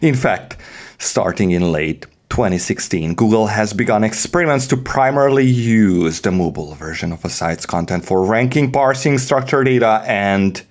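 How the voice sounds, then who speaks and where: A man reading scripted text aloud in a deliberate, theatrical way as a podcast guest. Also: on the low side, animated.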